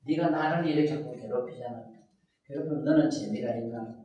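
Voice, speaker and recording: An older man gives a gentle dharma talk, acting out little dialogues as he speaks with a child. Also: medium pitch, fairly quick, muffled recording. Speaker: Buddhist dharma teacher. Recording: echoey hall, heard from a distance.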